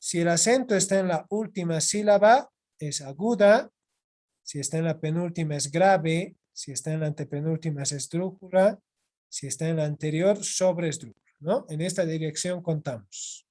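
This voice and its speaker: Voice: mid-range voice, normal speed, a little mellow. A teacher giving an online class lecture, patient, repeating key points and checking in with the students often. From Bolivia. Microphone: video call microphone.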